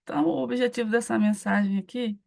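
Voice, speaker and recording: A middle-aged woman with a Brazilian Portuguese accent, preaching a testimony and acting out the dialogue in an animated storytelling manner. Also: a little high, fast, vocal fry. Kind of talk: testimony sermon.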